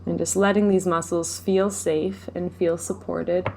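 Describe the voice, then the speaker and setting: Woman w a lowish voice doing guided meditation, gentle, takes her time, leaves pauses. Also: flat delivery, gravelly, a little hiss or hum. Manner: gentle, unhurried, instructing with pauses. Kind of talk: guided meditation, live session.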